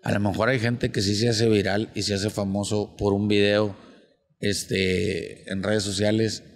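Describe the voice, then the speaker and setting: A man's voice: lowish voice, level tone, a little slow, big-room sound. A man with a Mexican Spanish accent, a stand-up comedian chatting on a podcast and telling long jokes in a slangy, storytelling way. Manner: slangy, storytelling, acts out joke characters in raised voices. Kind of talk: casual podcast chat with joke telling.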